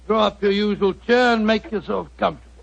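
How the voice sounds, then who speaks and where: An actor playing an older doctor who narrates a radio drama in a genial, chuckling storyteller manner, in 1940s radio acting style. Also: male voice, sits high, fairly quick, vocal fry, a little hiss or hum. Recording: muffled old radio broadcast.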